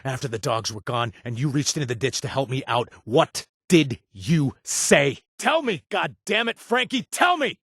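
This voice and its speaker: A man's voice: medium pitch, very animated, moderate pace, hardly any pauses, fairly bright tone, husky, no echo, studio quality, full character voice. A man voicing a weary, streetwise game companion who pleads emotionally with his lost brother, his voice rising when desperate. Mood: urgent pleading. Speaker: companion character in a video game. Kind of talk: game voice acting.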